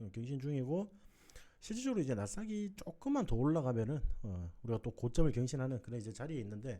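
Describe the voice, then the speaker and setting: A man talks very fast in a dark, mellow tone, his pitch swinging very widely. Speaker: stock market broadcaster. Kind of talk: live market commentary. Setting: live stream. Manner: casual, many filler words.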